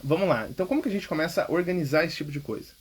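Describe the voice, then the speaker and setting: A man's voice: a little high, lively intonation, racing, breathy edge. A man hosting a public speaking podcast, coaching casually and emphatically, often checking in with "ok?". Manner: emphatic, repeats key points, frequent "ok?" checks. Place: home recording.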